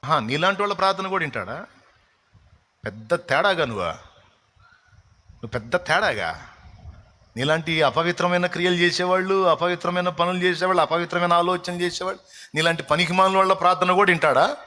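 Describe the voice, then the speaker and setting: A man's voice: sits high, fast talker, bright, forceful tone, voice pushed up. A man voicing a sneering, scornful devil. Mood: mocking. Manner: mocking, scornful taunts. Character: sneering male devil accusing a believer.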